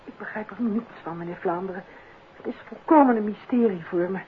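A woman's voice: mid-range voice, brisk, close to an everyday voice. An actress playing a bewildered, worried matron in charge of girls in a 1950s Dutch radio play. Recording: tinny, noisy 1950s radio recording.

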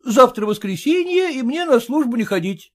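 A man's voice: very high voice, lively intonation, normal speed, voice pushed up. A man voicing a fussy, stingy, servile male clerk who mutters and answers deferentially to his father-in-law. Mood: fawning.

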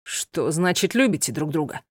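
A woman's voice: low-pitched, expressive, moderate pace, breathy edge, no room sound, studio quality, pitched below the performer's own voice. A woman voicing a proud, stern young gypsy man who speaks coldly and curtly. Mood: angry. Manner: cold, curt and commanding.

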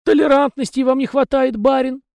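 A man's voice: very high-pitched, steady tone, brisk, vocal fry, a little mellow, no echo, pitched above the performer's own voice. A man voicing a small, talkative male house spirit with rustic, folksy peasant speech. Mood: insistent.

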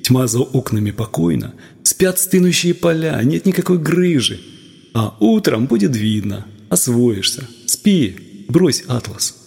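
A man doing weariness itself, slow and lulling. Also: medium pitch, vocal fry, dark tone, long reverb tail. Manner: slow, sing-song coaxing. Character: personified weariness, lulling and soothing, genderless spirit.

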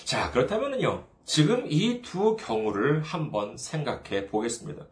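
A man's voice: medium pitch, big pitch swings, normal speed, echoey room. A man preaching a sermon as a pastor, in a conversational, humorous way, often asking the listeners questions.

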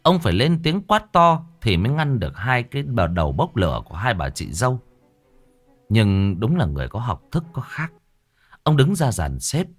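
A man narrating a village folk story in a lively, colloquial way. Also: mid-range voice, normal speed, soft background music.

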